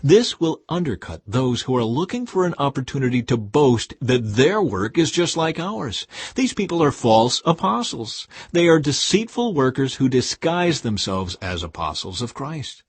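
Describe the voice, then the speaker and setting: Husky man reading scripture expressively. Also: mid-range voice, big pitch swings, normal speed, few pauses, no echo. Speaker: scripture reader. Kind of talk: expressive scripted reading of modern-English Bible text.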